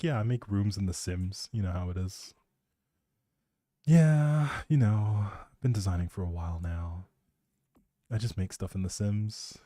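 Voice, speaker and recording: A man's voice: fairly low pitch, a little mellow, dry recording, studio quality. A young man rambling casually on a game livestream, playful and jokey as he chats back to viewers. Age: young adult. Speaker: live streamer and audio creator.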